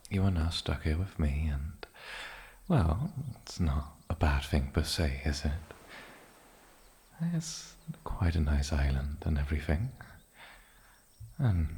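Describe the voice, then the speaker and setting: A man playing an eccentric, lonely, ancient island demon in a soft-spoken fantasy ASMR roleplay, with a gravelly low voice and musing, polite pauses. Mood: curious, musing.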